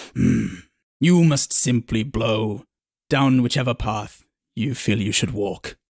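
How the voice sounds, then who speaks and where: A put-on character voice speaks at a fairly slow pace with ordinary pitch variation and long, frequent pauses. The sound is dry and close, with no echo. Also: man, medium pitch for a man. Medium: actual play. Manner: pompous, childish.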